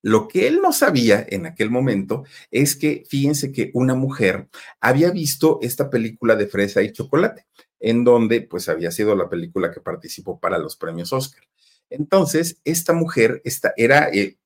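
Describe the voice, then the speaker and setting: A man with a Mexican accent telling a gossip story in a chatty way, talking straight to his listeners. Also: mid-range voice. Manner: chatty, addresses listeners directly, many fillers. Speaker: storytelling host.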